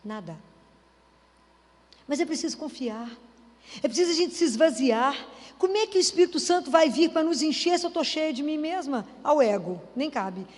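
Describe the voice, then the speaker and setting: A woman's voice: high-pitched, lively intonation, moderate pace. A woman giving a conversational sermon, acting out little dialogues as she preaches. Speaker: Catholic speaker. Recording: reverberant hall.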